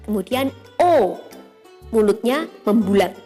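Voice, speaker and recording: A woman's voice: mid-range voice, lively intonation, mellow, breathy edge, soft background music. Patient woman teacher explaining to children. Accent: Indonesian. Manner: patient, explains slowly with frequent "ya" and "nah". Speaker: primary school teacher. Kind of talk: online class lesson for children.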